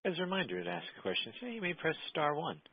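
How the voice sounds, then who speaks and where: A man reads scripted operator announcements quickly, with lively swings in pitch. The line is dull with faint noise behind him. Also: slightly rough, no echo. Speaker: conference call operator.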